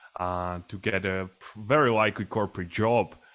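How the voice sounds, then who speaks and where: Speaking with a Czech accent, a man keeps a moderate pace and fairly even intonation. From Czech Republic. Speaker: entrepreneur, podcast guest. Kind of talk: interview storytelling.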